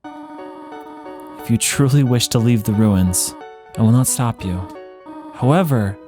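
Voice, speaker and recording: A sorrowful, motherly female monster from a video game, read aloud by a man. The delivery is slow and tender, with a solemn weight on the words. Music plays underneath. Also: medium pitch, very animated, mellow. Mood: sad, resigned. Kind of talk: voiced read-along of game dialogue.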